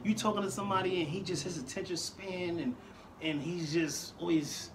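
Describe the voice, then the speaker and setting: A man as a guest on a casual chat show, giving advice in a slangy, drawn-out way. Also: sits high, fairly even intonation, noisy background.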